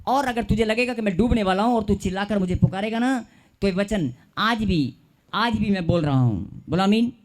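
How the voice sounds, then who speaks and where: A man with a high-pitched voice preaches a sermon. He leads the congregation in call and response and repeats key phrases with drawn-out emphasis. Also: expressive. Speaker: pastor.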